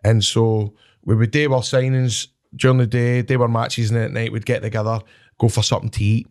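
A man with a Scottish accent telling animated, swearing-laced stories as a wrestler guest in casual chat. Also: medium pitch, fairly quick. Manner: animated, swears, laughs at his own stories.

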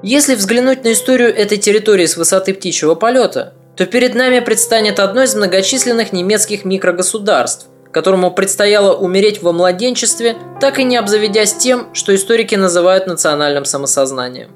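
A man narrating a history podcast in a measured, slightly ironic, scripted storytelling way. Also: sits high, faint music behind.

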